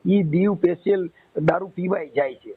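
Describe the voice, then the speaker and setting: A man's voice: high-pitched, normal speed, slightly rough, dry recording. A man with a Kathiawadi Gujarati accent explaining things in a conciliatory way in an informal phone conversation. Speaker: host taking calls for a recorded-call channel. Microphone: phone line. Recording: muffled lo-fi phone call.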